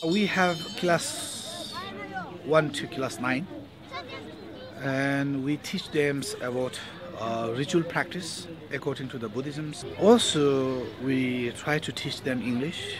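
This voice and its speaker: A man, a member of the monastery school staff, speaking matter-of-factly and haltingly in an outdoor documentary interview. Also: medium pitch, animated, crowd noise. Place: rooftop outdoors in a city. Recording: busy outdoor city noise.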